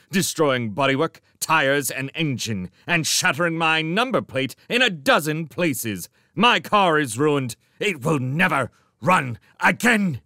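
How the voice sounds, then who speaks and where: A man voicing a menacing, pompous, vindictive gentleman magician in an audiobook, with soft speech that can swell into indignation. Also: medium pitch, dry recording, clean studio sound, voice pushed up. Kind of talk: dramatic audiobook character reading.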